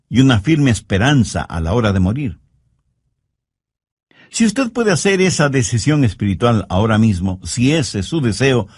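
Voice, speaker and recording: A man preaching a sermon in an earnest, pleading way, slowing down to stress key words. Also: medium pitch, a little mellow, husky, no echo, clean studio sound.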